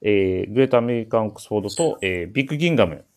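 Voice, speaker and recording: Male host, deep voice, casual radio chat, drily teasing co-presenters. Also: animated, rapid-fire, darkish tone. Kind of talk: casual talk show chat with event announcements.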